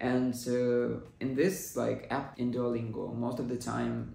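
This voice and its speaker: Somewhat breathy, a man talks at a moderate pace amid audible room echo. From Russia. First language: Russian. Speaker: YouTuber doing language app challenge. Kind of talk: casual video commentary. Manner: halting. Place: home room.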